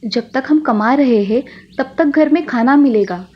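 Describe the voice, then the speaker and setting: A woman's voice: high voice, moderate pace, highs cut off. A woman voicing a hardworking, worried village mother in a cartoon, speaking earnestly. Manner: earnest and pleading.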